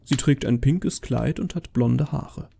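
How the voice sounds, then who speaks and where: A man's voice: medium pitch, a little slow, vocal fry, dark tone, a little hiss or hum. A man reading a first-person horror story as a dramatic, scripted narration.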